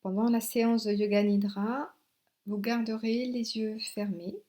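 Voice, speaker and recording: A woman guiding a yoga relaxation meditation as an instructor, giving soothing, unhurried instructions with long pauses. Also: a little high, fairly even intonation. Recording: soft new-age music behind. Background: new-age relaxation music.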